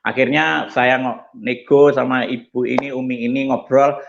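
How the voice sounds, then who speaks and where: Animated pastor man, lo-fi. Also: medium pitch, normal speed, gravelly, a little hiss or hum. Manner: animated storytelling, acts out quoted voices. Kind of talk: testimony sermon.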